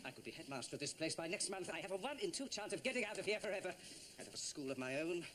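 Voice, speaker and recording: A man's voice: high voice, animated, rapid-fire, noisy background. An actor playing a scheming, ambitious male teacher who veers between smug and desperate. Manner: smug, then frantically desperate. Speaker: senior teacher at a school.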